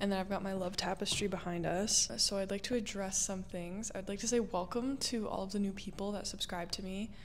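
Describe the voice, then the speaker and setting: Soft-spoken and at medium pitch, a woman talks in a monotone, flat intonation with hardly any pauses, and audible room echo surrounds her voice. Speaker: crochet YouTuber. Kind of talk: casual vlog chat. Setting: empty art studio. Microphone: echoey room.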